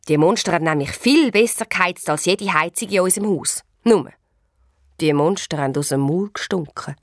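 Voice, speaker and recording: Lively Swiss German woman storyteller. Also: medium pitch, no echo, clean studio sound. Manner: lively, expressive storytelling with playful voices. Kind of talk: children's story reading.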